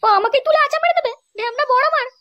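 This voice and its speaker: A performer voicing a sharp-tongued young wife in a comedy cartoon, crude and taunting, with a West Bengal accent and a pitched-up voice. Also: very fast, lo-fi sound. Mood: complaining. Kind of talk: amateur comedy cartoon dialogue.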